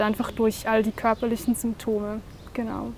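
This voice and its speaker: Through noticeable background noise, a woman speaks in a fairly high voice with monotone, flat intonation. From Switzerland, canton of Bern. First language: Swiss German (speaking German). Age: 30s. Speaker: guest sharing recovery story. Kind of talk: interview.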